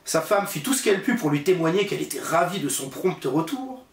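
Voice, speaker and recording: A man reading a fairy tale aloud as a bedtime story, steady and unhurried. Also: on the high side. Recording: roomy echo.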